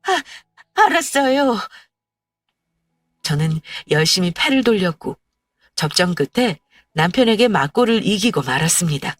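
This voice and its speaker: A woman's voice: fairly low pitch, lively intonation, normal speed, dry recording. Woman narrating a heartfelt first-person tale. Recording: dry, far from mic, faint music.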